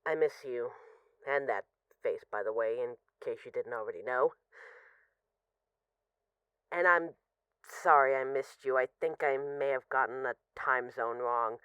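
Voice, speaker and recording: A woman's voice: rumbling low, measured pace, long pauses, a bit bright, smooth, no room sound, dull audio. A woman playing an affectionate, wry mafia boss who misses her partner, rambling hesitantly through intimate voicemails in an audio roleplay. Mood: wistful, apologetic. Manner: hesitant, sighing, wry, conversational.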